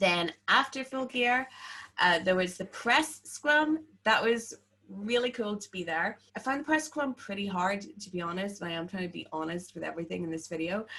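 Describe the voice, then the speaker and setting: A woman with an Irish accent speaks at a medium pitch in a bright, sharp tone, her pitch swinging very widely and her loudness shifting a lot. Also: moderate pace. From Ireland. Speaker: wrestling vlogger. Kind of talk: casual vlog monologue. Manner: unscripted, informal.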